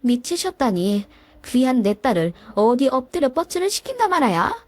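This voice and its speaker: A woman's voice: sits high, sing-song, moderate pace, a little mellow, dry recording. A woman voicing a hot-tempered middle-aged mother who rages in defense of her daughter in a told story. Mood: indignant. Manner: fuming, indignant outbursts.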